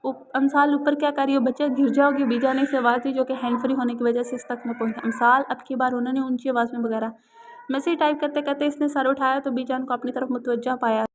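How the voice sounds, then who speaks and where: A woman narrating a family romance novel as an audiobook, steady and expressive. Her voice sits a little high, and a faint hiss of noise runs under the recording. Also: fast.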